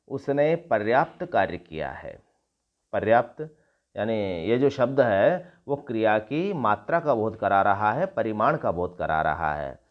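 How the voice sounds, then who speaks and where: A middle-aged man teaching a grammar lesson, explaining slowly, repeating terms and listing examples with pauses and fillers. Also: lowish voice. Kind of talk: classroom lecture. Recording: dull lo-fi recording.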